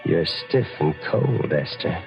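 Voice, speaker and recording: Lonely window-dresser killer, low voice, hesitant stammer, jittery, vintage radio drama, music behind. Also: male voice, animated, takes it slowly, muffled recording, full character voice. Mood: bitter tenderness. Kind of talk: old-time radio horror acting.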